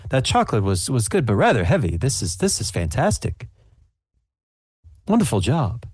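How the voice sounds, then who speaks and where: A man's voice: medium pitch, huge pitch swings, moderate pace, darkish tone, breathy edge, dry recording, studio quality, pitched above the performer's own voice. A man voicing a gracious, refined female pie judge in a genteel, gushing way. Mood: pleased.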